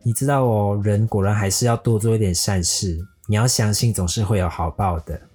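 Husky man telling a story. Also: lowish voice, a little fast. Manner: lively, mixes English words into speech. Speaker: storyteller recounting a motorbike trip. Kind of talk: scripted personal storytelling. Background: faint guitar music.

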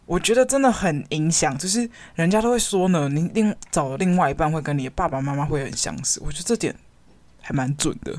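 A young adult woman with a Taiwanese Mandarin accent, co-hosting a casual chat and telling stories in an animated way. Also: low-pitched, fairly quick, no echo. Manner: animated storyteller, breaks into laughter. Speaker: podcast co-host.

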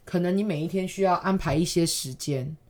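A woman's voice: lowish voice, brisk, darkish tone. A woman with a Taiwanese accent giving casual conversational advice in an explanatory, emphatic way, often repeating phrases for emphasis.

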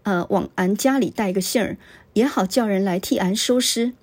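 A woman voicing an older man, a humble adjutant who speaks softly and deferentially. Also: mid-range voice, normal speed, breathy edge. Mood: placating. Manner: soft, deferential, placating.

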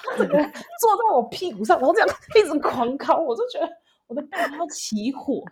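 A woman's voice: sits high, brisk. Young woman podcast host, chatty storyteller, does the voices, bit of faint hiss. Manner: animated storytelling, acting out quotes. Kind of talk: casual chat.

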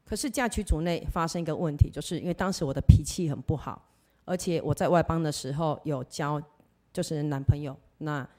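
A woman's voice: sits low, darkish tone. A woman telling her personal faith testimony in an earnest storytelling way, acting out the dialogue she quotes. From Taiwan. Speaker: church member giving testimony.

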